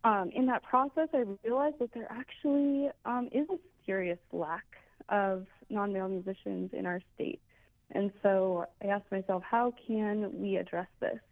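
Guest: woman founder, mid-pitched, earnest, dry and phone-thin sound. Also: fairly even intonation, normal speed, dry recording. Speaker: organization founder. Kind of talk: casual interview chat. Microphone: phone line. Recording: tinny phone line.

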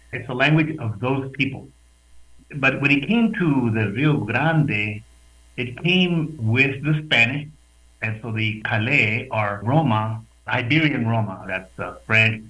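A man from the West Texas border region, a radio guest speaking over a video call, explaining in a lively, thoughtful way with hesitant restarts. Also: lowish voice, low-quality recording. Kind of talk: conversational explanation.

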